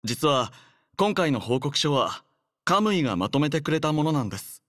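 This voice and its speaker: A man voicing a courteous, earnest young android soldier in an anime game, speaking in a polite, formal, measured manner. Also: on the high side, sing-song, a bit bright, dry recording, studio quality. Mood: considerate, composed. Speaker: game character voice. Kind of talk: scripted anime game voice lines.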